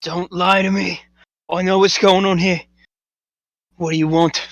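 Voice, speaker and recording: A man's voice: high voice, flat delivery, a little slow, a bit bright, no room sound. A man playing a frightened, suspicious captive who is defiant and demanding in a tabletop game. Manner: demanding, accusatory. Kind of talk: tabletop roleplay acting.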